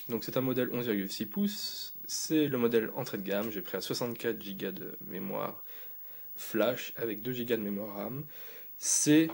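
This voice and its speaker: A man giving a loose, rambling product review, talking casually with fillers and restarts. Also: mid-range voice. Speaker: tech reviewer.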